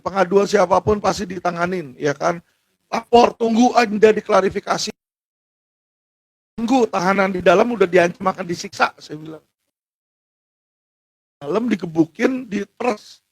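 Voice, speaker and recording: An indignant man delivers a heated monologue, his voice pitched high for a man and often climbing into shouts. The sound is close and dry, with no room echo. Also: moderate pace, pauses often. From Indonesia. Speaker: lawyer speaking out on legal injustice. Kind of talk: impassioned monologue to camera.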